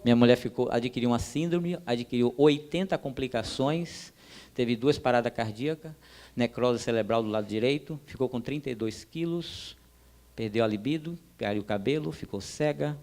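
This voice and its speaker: A man's voice: mid-range voice, normal speed. Emphatic man teaching a sermon. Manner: animated, emphatic, addresses listeners directly. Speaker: church teacher.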